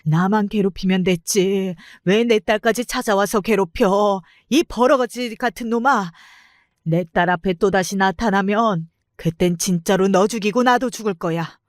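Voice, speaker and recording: A woman voicing a terminally ill mother who screams and wails at her abuser, pitched higher and drawn out. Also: unhurried, no room sound, clean studio sound, natural voice. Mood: wailing fury. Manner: screaming, wailing. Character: terminally ill mother, middle-aged woman, desperate and furious.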